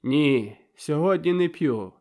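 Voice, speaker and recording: A man's voice: a little high, lively intonation, slow pace, a little mellow. A man reading an audiobook, voicing a shy but earnest young man in a plain, slightly raised voice. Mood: firm.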